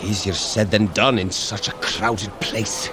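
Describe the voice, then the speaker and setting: A man's voice: on the low side, steady tone, unhurried, close to an everyday voice. A man playing a hearty, good-natured male Norse god with a courtly, genial manner in an audio drama. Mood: genial, mildly skeptical. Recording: faint outdoor city noise. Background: faint outdoor street sounds.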